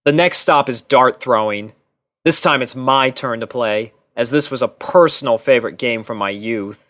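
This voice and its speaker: A man narrates a first-person story from a script. His voice is lowish to medium in pitch, recorded dry and close with no room sound. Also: moderate pace, a bit bright, dry recording. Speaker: narrator and reader.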